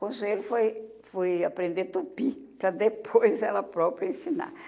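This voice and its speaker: This woman talks at a fairly slow pace in a fairly high voice, with very wide pitch swings and vocal fry. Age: 80s+. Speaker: retired professor. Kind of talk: interview, oral history recollection. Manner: halting, with many repetitions.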